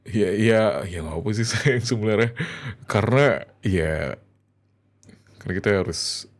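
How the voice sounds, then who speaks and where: A man with an Indonesian accent playing a loving, emotional young husband in an intimate ASMR roleplay, speaking tenderly and haltingly. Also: fairly low pitch, expressive. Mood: happy, overwhelmed. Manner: tender, halting, soft chuckles and whispers. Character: loving young husband, overjoyed about becoming a father.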